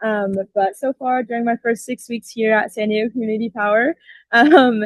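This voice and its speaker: At a moderate pace, a woman talks in an unremarkable speaking voice with a fairly high pitch and fairly even intonation. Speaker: community outreach staff. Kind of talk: self-introduction at board meeting.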